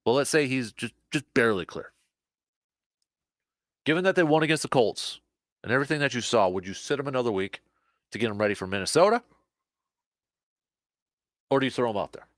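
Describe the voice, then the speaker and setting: A man hosting a casual sports talk show, a little hoarse, animated, often repeating and restarting his words. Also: medium pitch, brisk, pauses often, dry recording, clean studio sound. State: slightly hoarse, losing his voice.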